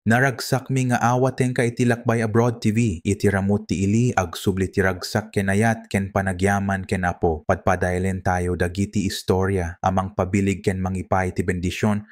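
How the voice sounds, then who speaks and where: Very deep steady man for a promo read, dry, music bed. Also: normal speed, few pauses, dry recording. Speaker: announcer. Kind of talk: ad promo announcement.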